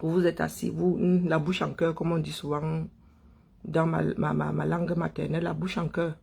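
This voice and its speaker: A man from Cameroon, commenting on politics online, speaks at normal speed with a flat delivery in a high-leaning, creaky, husky and somewhat mellow voice. Passionate and emphatic, he fires off rhetorical questions and repeats lines for effect.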